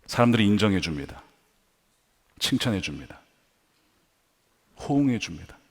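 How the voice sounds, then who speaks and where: A male pastor delivering a Friday-night sermon with a lively, sweeping delivery. His pitch moves a lot, climbing on emphatic lines and falling soft on conclusions. The sanctuary adds a long, hanging reverb to every phrase. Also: normal speed. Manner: animated preaching, rising to emphatic peaks then dropping low. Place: large church sanctuary.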